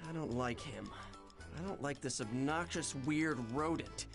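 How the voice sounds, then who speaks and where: A man's voice: a little high, unhurried, vocal fry, over music. A man playing a surly, impatient young hero in a video game dub, irritated and dismissive.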